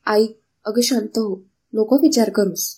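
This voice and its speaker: A woman voicing an excitable young adult daughter who pleads and calls out to her parents. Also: high-pitched, moderate pace, breathy edge. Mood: eager.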